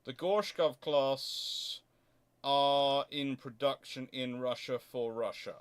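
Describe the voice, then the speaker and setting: Male explainer host, mid-pitched, smooth clean voice, unscripted, halting and thoughtful delivery. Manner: hesitant, thinking aloud, halting then rushing. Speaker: host answering viewer questions on naval history.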